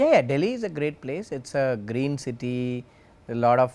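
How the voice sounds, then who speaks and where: A man with a Telugu accent at a moderate pace. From India, Telugu-speaking region. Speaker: entrepreneur, subject of biopic. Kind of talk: interview.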